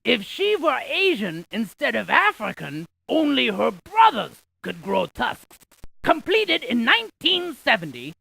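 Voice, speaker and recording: A man voicing an excitable, quirky scientist in a video game, with a creaky voice and a folksy, jokey, exaggerated delivery. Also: very high voice, full character voice, poor audio. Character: excitable, quirky scientist tour guide, full of folksy quips. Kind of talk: cartoonish video game character lines.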